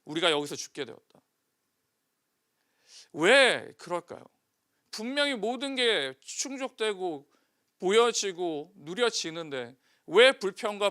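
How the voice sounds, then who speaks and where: A man's voice: high voice, bright, forceful tone, clear, resonant tone. A male pastor preaching a sermon, putting questions to the congregation and answering them himself.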